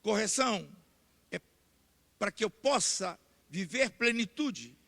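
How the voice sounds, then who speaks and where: A man with a Brazilian Portuguese accent preaching a sermon in church, repeating key points and building to loud emphatic declarations. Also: high-pitched, expressive, a little slow. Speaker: pastor. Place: church sanctuary. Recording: long church hall reverb.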